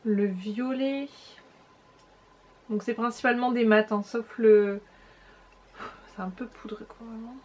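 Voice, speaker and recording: Chatty young woman with a bright voice. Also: fairly high pitch, steady tone, a little slow, long pauses. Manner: chatty, hesitant restarts, addresses viewers directly. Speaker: beauty vlogger. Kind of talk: casual makeup haul review.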